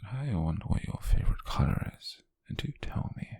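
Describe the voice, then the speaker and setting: A British man playing a possessive, softly menacing rich captor in an intimate ASMR roleplay, murmuring in a breathy, husky voice with slow, coaxing deliberation. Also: low voice, expressive, dry recording, exaggerated voice. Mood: possessive, tender menace. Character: possessive, softly menacing wealthy male captor, obsessive and doting. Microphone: close microphone, dry.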